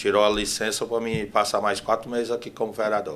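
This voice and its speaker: A man speaks in a bright, sharp tone over light background noise. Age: 40s. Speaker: city councillor; council guest. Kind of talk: interview; interview answer. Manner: hesitant, many fillers. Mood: earnest, grateful. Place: studio. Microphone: studio mic.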